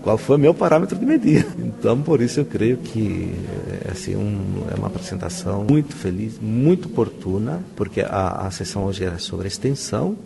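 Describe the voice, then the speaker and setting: A Brazilian man speaks as a professor in a spontaneous interview. His voice is low and creaky, and he is enthusiastic and emphatic, often posing questions to himself. A crowd murmurs clearly around him. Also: expressive, fairly quick, hardly any pauses. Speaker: university professor being interviewed. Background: crowd chatter.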